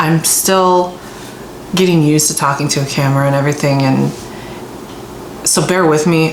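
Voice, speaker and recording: A woman speaks in a very deep, low voice, with audible room echo and noticeable background noise. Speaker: truck driver and vlogger. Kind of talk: casual vlog talk to camera. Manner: slow; halting, many fillers.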